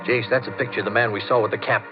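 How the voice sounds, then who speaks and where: An actor in a 1950s radio drama playing a plain-spoken, earnest Texas Ranger sidekick. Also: male voice, fairly low pitch, steady tone, rapid-fire, music in the background, natural voice. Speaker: sidekick lawman. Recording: muffled, very noisy old radio recording.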